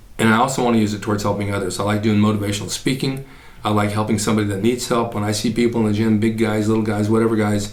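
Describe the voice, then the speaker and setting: Over noticeable background noise and audible room echo, a man with an American accent speaks very fast in a monotone, flat intonation at a fairly low pitch. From California (Bakersfield). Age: 70s. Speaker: retired bodybuilder and YouTuber. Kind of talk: casual monologue.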